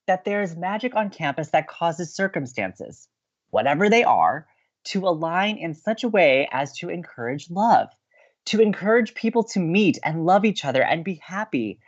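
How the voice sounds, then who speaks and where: An actor playing a romantic, excitable young man who co-hosts college radio in an audio drama, earnest and expressive. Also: high voice, a little slow, highs cut off, heavily acted. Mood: excited, playful. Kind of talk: naturalistic audio drama acting.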